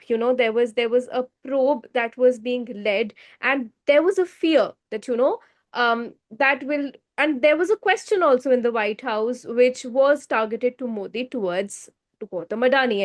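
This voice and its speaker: Woman host with rambling questions. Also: sits high. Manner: rambling, many "you know" fillers. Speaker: podcast host, editor. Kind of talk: interview questions.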